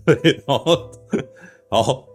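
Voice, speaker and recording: A man hosting a podcast, recapping a plot in a chatty, animated way and often asking "you know?". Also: medium pitch, extremely slow, breathy edge, faint music behind. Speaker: podcast host.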